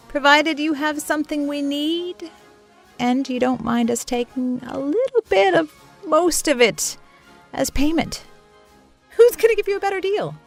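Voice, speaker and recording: An actress playing a swaggering wasteland militia lieutenant in a comedy, declamatory and tough with mock-official boasting. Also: female voice, high voice. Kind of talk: comedic audio drama acting.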